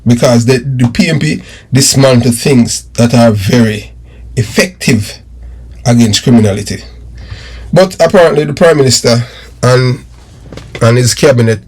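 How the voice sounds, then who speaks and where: A man's voice: medium pitch, darkish tone, husky. A middle-aged man with a Jamaican accent, a former detective delivering emphatic, repetitive political commentary straight to his viewers.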